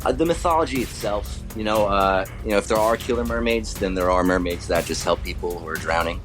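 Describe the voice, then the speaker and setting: A man's voice: deep voice, fairly quick, a bit bright, soft background music. A man speaking informally and modestly as an author being interviewed in a casual chat.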